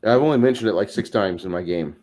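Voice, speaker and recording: Man, lowish voice, casual discussion host, rambling explanations, gaming talk. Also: quick pace, darkish tone. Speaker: tabletop gaming show host.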